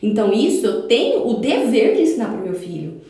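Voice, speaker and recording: A woman speaks with a Brazilian Portuguese accent in a fairly high, mellow voice. She is a parental educator talking on a phone live stream, emphatic and insistent. The room around her is very echoey. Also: big pitch swings, brisk, distant mic. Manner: emphatic, insistent, acts out little dialogues.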